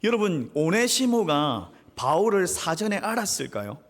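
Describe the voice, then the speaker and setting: A man's voice: high-pitched, sing-song, normal speed. A male senior pastor preaching a sermon, telling a story and addressing the congregation directly. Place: church sanctuary. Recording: reverberant church sanctuary.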